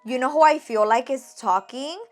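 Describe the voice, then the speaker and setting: A woman's voice: high voice, normal speed, over music. A woman casually narrating and reacting as a vlogger, slangy and sweary, slipping between English and Spanish. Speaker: vlogger narrating and reacting to creepy phone call recordings.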